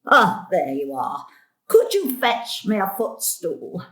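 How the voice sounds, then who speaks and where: A woman's voice: on the low side, huge pitch swings, takes it slowly, a bit bright, reverberant, full character voice. Actress as a spoilt, theatrical elderly grandmother. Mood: imperious, grand. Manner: imperious, theatrical, querulous. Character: elderly, spoilt, demanding grandmother with fanciful spending sprees. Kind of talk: stage-style audio drama acting.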